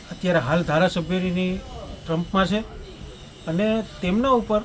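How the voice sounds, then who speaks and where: A man speaks at a high pitch. Noticeable background noise and audible room echo fill the recording. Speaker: village deputy head and community leader. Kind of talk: political statement to camera.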